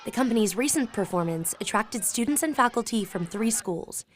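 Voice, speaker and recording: A woman reporter narrating a scripted news feature in a measured, even tone. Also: a little high. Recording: voice-over with music bed. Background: music.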